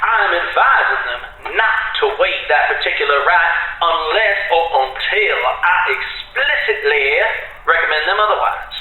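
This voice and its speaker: An actor playing a smug, condescending defense lawyer in an audio drama, with a folksy, theatrical Southern drawl. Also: male voice, fairly high pitch, lively intonation, moderate pace, phone-quality sound, natural voice. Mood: smug, cutting. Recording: roomy echo, faint music behind.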